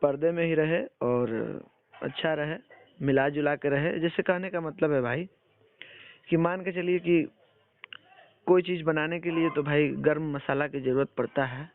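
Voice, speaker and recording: Man, higher-pitched voice, admonishing interviewer, persistent, tinny phone call recording. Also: fairly even intonation, a little slow, no echo. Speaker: interviewer for an entertainment channel.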